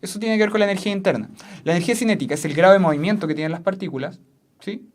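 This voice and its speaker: Standing at a whiteboard, a substitute physics teacher races through a lesson in a middle-pitched voice. Key points get repeated several times, the class is checked on constantly, and laughter comes easily.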